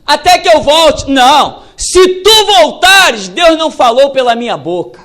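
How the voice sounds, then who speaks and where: A man's voice: very high-pitched, big pitch swings, normal speed, a bit bright, heavily acted. A Brazilian pastor with a Brazilian Portuguese accent, acting out a defiant male biblical prophet who speaks bluntly and challengingly in a sermon.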